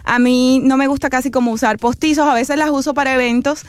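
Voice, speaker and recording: A woman's voice: high voice, fairly even intonation, quick pace. A Colombian woman hosting a radio interview, curious and chatty, laughing often. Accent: Colombian Spanish. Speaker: radio host. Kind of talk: casual radio interview chat.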